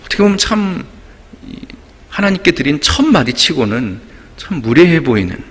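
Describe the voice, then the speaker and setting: A man's voice: on the high side, fairly bright tone, slightly rough. A man preaching an early-morning prayer sermon as pastor, telling stories and acting out quotes. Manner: storytelling, acts out quotes. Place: church sanctuary. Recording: long reverb of a church hall.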